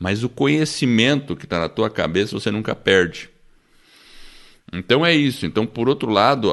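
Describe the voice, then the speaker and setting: At a moderate pace, a medium-pitched man's voice makes very wide pitch swings, with long, frequent pauses. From São Paulo, Brazil. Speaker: podcast host. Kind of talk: casual podcast discussion.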